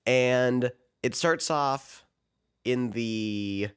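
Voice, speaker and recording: A man's voice: mid-range voice, very slow, clean tone. Slightly sick, nasal man. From United States. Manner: chatty, self-deprecating, many fillers. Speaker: podcast host. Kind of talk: casual chat. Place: apartment living room. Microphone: new podcast microphone.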